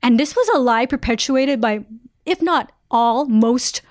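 Bright, playful woman in a dry studio. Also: a little high, measured pace, dry recording. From Canada. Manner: animated, playful storyteller. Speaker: reporter. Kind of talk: casual chat and scripted narration.

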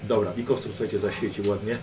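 A man's voice: on the low side, fairly even intonation, quick pace, dark tone. Man as game master, patient and instructive, distant mic, faint background noise. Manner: patient, instructive, drill-like repetition. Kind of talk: narrating a tabletop game in character.

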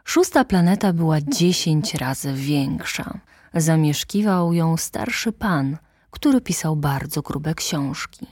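A woman narrating a storybook aloud in a calm, measured way. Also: low voice, husky, no echo, studio quality. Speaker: audiobook narrator. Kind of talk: storybook reading.

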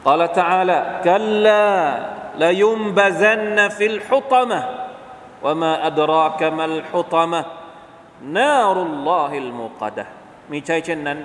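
A man with a fairly high voice gives an evening lesson in a mosque, moving between brisk, lively talk and slowly chanted Arabic verses. He corrects himself aloud now and then. The sound is roomy and echoey with a long tail, and faint hiss sits under it. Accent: Southern Thai. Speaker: Islamic teacher. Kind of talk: mosque lesson with Quran recitation. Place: mosque hall.

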